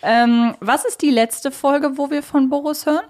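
A woman's voice: high-pitched, fairly even intonation, normal speed, darkish tone. A woman hosts a podcast in a casual, conversational way. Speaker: podcast host.

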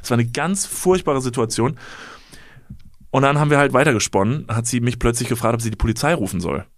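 A young man co-hosting a podcast, telling a story in an animated, colloquial, self-mocking way. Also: medium pitch, brisk, no room sound, clean studio sound. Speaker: podcast co-host.

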